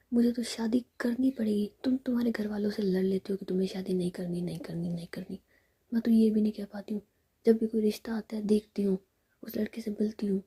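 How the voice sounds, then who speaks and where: A woman's voice: mid-range voice, warm tone, slightly rough. A woman voicing a playful but worried young woman facing an arranged marriage, whispered.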